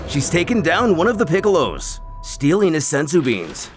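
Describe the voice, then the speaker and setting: Over dramatic background music, a man narrates an action story in a theatrical, scripted comic style. His voice is fairly high-pitched and very animated, delivered at normal speed.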